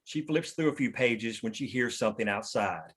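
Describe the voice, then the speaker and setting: A man reads scripted scene descriptions as the narrator of a table read. His voice is medium in pitch. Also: moderate pace, fairly bright tone, slightly rough. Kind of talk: scripted narration of stage directions.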